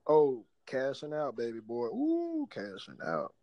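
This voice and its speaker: A man in his thirties co-hosting a casual podcast, joking and bantering in relaxed slang. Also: mid-range voice, normal speed, no echo, highs cut off. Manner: laid-back slangy banter with laughs. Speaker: podcast co-host. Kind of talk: casual chat.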